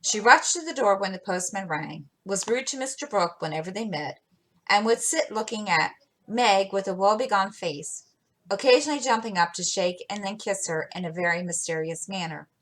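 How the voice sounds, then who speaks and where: A woman reading a classic novel aloud as a storyteller, with expressive delivery and occasional slips. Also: mid-range voice, moderate pace.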